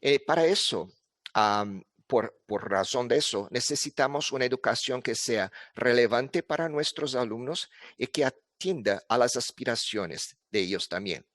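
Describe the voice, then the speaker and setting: Male presenter, non-native, measured unhurried delivery, stops often to search for words. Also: medium pitch, expressive, a bit bright, dry recording, clean studio sound. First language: not Spanish. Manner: halting, with many filler sounds and restarts. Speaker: conference presenter. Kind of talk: academic talk at an online congress.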